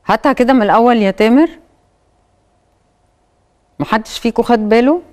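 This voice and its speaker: A woman's voice: fairly high pitch, a little fast, darkish tone. A woman with an Egyptian accent hosting a TV talk show, commenting on clips with hesitant fillers. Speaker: TV host.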